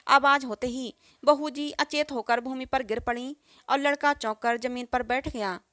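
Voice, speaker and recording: Woman storyteller, high pitch, dry close sound; reads all the roles herself. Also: normal speed, no echo. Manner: reads every role in one even storytelling voice. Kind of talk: scripted story narration.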